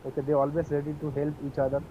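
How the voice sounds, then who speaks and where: A man in his twenties from West Bengal with a Bengali accent, practising English on a video call, polite and hesitant with many pauses. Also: a little high, monotone, phone-quality sound, a little hiss or hum. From West Bengal, India. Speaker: English learner.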